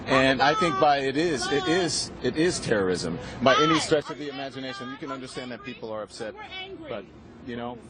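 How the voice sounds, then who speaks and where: A male news commentator speaks off the cuff at a middling pitch. A very loud crowd surrounds his voice. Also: animated, a little fast, noisy background. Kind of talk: unscripted live news discussion.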